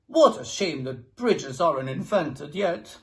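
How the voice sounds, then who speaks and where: Woman voicing fierce hungry tyrannosaurs, loud slow chanting, storybook, lively sing-song swings. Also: sits low, a little hiss or hum, pitched below the performer's own voice, heavily acted. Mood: gruff chant. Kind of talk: storybook read-aloud.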